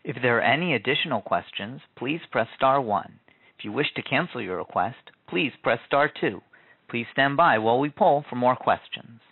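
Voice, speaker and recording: A man's voice: medium pitch, expressive, normal speed, slightly rough, no echo. A man with a mid-range voice makes scripted operator announcements for a conference call. The sound is dry and narrowed by the phone line.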